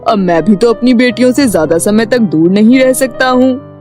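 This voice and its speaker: A woman putting on a calm, loving cartoon father with a soft, unhurried delivery. Faint music plays behind him. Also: fairly high pitch, lightly acted. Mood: gentle. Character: kind middle-aged father, loving and calm. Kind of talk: storybook cartoon voice acting.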